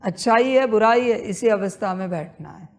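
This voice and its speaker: A woman leading a guided meditation, repeating her instructions in a slow, insistent spiritual talk. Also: medium pitch.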